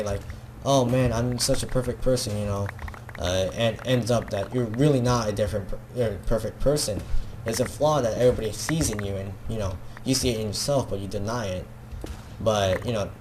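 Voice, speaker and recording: A man's voice: lowish voice, a little mellow, slight background noise. A young man with a Filipino accent, rambling self-consciously in a casual video, full of fillers and restarts. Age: teenager. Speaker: gaming video creator.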